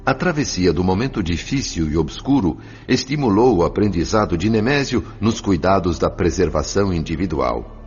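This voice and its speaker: Deep male narrator, formal audiobook drama read, long reverb, music behind. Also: slightly rough, highs cut off. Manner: formal, literary, measured.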